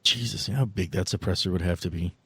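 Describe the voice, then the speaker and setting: The game master of a tabletop RPG podcast improvises his narration casually, swearing freely and phrasing things hesitantly. His low voice is husky yet fairly bright in tone, he talks fast, and there's no room sound.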